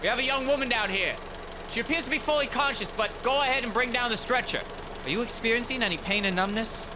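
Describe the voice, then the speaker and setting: An actor playing a calm emergency rescuer in an audio drama, asking questions in a reassuring way. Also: male voice, very high voice, quick pace, noisy background. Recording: loud idling vehicle engine behind.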